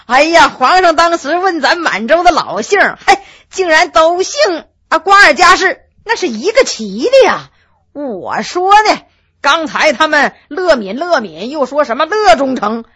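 A woman playing a booming, boastful giant of a general. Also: very animated, measured pace, heavily acted. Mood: hearty. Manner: loud, laughing, blustering. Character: huge booming middle-aged Manchu general, hearty and boastful.

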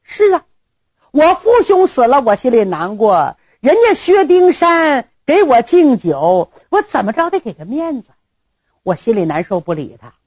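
A woman's voice: sits high, very animated, measured pace, darkish tone, breathy edge, no echo, dull audio, full character voice. A woman voicing a remorseful young bride talking to herself.

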